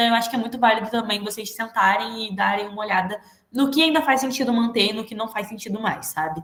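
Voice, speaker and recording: Her fairly high pitch moves with ordinary variation as this woman talks at a very fast pace. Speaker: trainer at a student organization. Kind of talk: training session.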